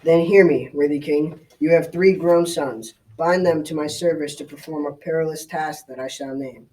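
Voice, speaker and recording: A man's voice: fairly high pitch, moderate pace, mellow, recorded from a distance, close to an everyday voice, poor audio. A teenage boy playing a stern, commanding Black Knight in a school radio drama, with formal, archaic speech. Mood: demanding.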